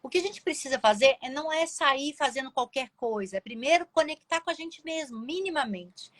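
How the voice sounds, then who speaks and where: A Brazilian woman hosts a live stream, speaking straight to her audience in a gentle, coaxing way. Her voice is high, and it is recorded dry and close, with no room sound. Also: lively intonation, brisk, no room sound. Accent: Brazilian Portuguese. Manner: warm, coaxing, addresses viewers directly. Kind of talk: casual live-stream talk.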